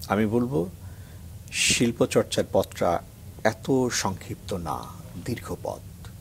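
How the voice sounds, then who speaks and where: A middle-aged Bangladeshi man, appearing as a reciter guest on a TV morning show in the studio, speaks earnestly before reciting a poem with building emphasis. His voice is lowish, gravelly, and expressive, he takes his time, and there is a little hiss or hum in the background.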